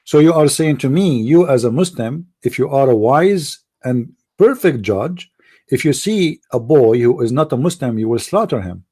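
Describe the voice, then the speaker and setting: A man's voice: medium pitch, expressive, normal speed, warm tone, breathy edge. A man whose first language is Arabic, from the Middle East, hosting a heated religious debate and pressing his opponent with repeated, mocking questions. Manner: combative, repetitive, mocking. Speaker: debate host.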